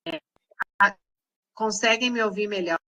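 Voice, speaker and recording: A woman teacher speaking on a video call whose audio keeps breaking up and dropping out, her phrases halting and cut short. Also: mid-range voice, pushed and bright, poor audio. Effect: glitchy audio that keeps cutting out. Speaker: teacher asking a question in an online class. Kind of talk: casual remarks on a video call. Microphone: video call from home network.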